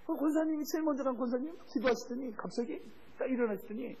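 High-voiced Korean man preaching a sermon. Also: rapid-fire, low-quality recording. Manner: animated, acts out voices in quotes, laughs often. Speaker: missionary preacher. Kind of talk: sermon with storytelling.

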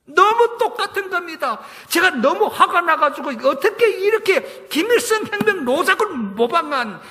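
A man delivers a testimony sermon, his voice very high and bright. He talks to the congregation emphatically and keeps putting rhetorical questions to them. His voice rings out with a long reverb, as in a large hall. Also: big pitch swings, normal speed. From North Korea. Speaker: testimony speaker at a church.

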